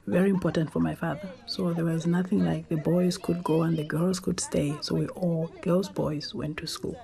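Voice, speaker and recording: Low gravelly Zambian woman. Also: steady tone, crowd noise. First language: Tonga. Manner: reflective, unhurried, with pauses and restarts. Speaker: documentary interviewee. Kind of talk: personal life story.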